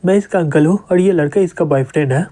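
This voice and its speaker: A man's voice: a little high, fast, dark tone, close to an everyday voice. A man voicing a meddling, hot-tempered middle-aged uncle in a manga recap, teasing and scolding.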